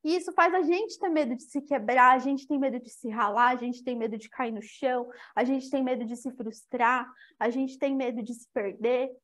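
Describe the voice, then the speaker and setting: A woman's voice: high voice, moderate pace, few pauses. A young woman lecturer giving a spiritual talk and addressing her audience directly. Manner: lively, engaging the audience directly.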